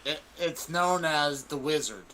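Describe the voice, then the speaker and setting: A man's voice: a little high, animated, unhurried, background noise. A man speaking casually as a panelist in a group podcast discussion. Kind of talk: casual chat.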